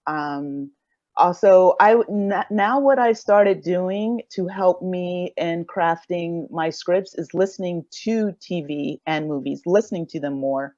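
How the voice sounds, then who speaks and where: A woman's voice: lowish voice, takes it slowly, darkish tone, dry recording, dull audio. A middle-aged woman speaking as a creator on a casual panel, rambling and thinking aloud hesitantly. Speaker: audio drama creator on a panel.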